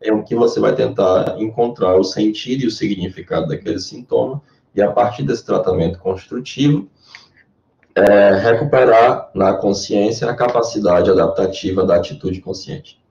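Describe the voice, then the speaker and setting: A Brazilian man with a low, mellow voice lays out ideas at length, explaining patiently like a lecturer. His voice is Brazilian Portuguese accented. It reaches the listener through a dull, lo-fi line in an echoey room. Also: moderate pace, gravelly, recorded from a distance. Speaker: guest, Jungian therapist. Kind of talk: interview answers.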